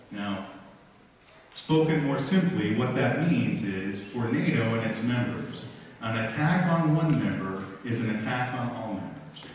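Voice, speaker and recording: A middle-aged American man giving a formal public speech as a diplomat, with measured, deliberate phrasing. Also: medium pitch. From United States. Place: large lecture room, recorded from the audience. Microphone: handheld mic through room speakers, distant camera pickup. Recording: very echoey hall, distant mic, faint noise.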